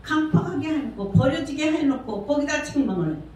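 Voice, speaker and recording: A woman's voice: high-pitched, lively intonation, fairly quick, a little mellow, a little hiss or hum. A woman pastor giving a sermon in a church, preaching conversationally and putting questions to the congregation. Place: church sanctuary. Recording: very echoey church from far off.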